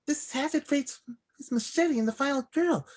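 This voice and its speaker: A woman playing an awkward, eager young male horror-film fan in a screenplay table read, talking in a halting, rambling way. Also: high-pitched, a little mellow, lightly acted. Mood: eager, confiding.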